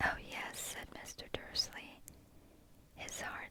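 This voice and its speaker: Whispering from a woman against clearly audible background noise. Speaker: ASMR reader. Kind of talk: ASMR book reading for sleep. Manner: soft-spoken, whispering.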